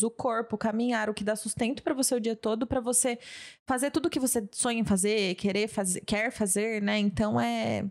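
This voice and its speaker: A woman hosts a casual interview in a fairly high voice. She reflects thoughtfully on her guest's words and keeps affirming her. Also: a little mellow. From Brazil.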